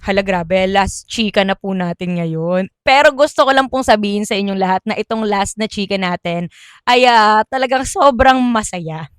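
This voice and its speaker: A woman's voice: medium pitch, normal speed, clear, resonant tone, dry recording, clean studio sound. A woman vlogger telling stories casually and animatedly, laughing often and acting out what people said. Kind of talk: casual storytelling.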